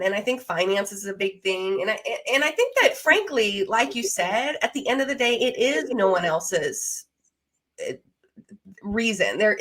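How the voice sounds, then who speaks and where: A woman's voice: mid-range voice, fairly bright tone. A woman hosting a casual interview, speaking in an affirming, emphatic, conversational way. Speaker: podcast host.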